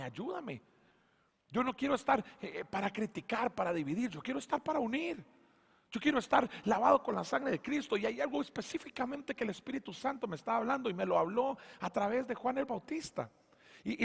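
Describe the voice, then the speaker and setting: A pastor preaches a sermon in a church, his fairly high voice gravelly and husky. He tells stories with animated flair, voicing characters and booming on key lines. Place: church sanctuary.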